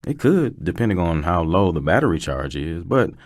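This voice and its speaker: A man plays a car service technician with a deep voice and a very dry sound. He is knowledgeable and patient, explaining things conversationally in a scripted promotional dialogue. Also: big pitch swings, normal speed, no room sound. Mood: explaining, assured.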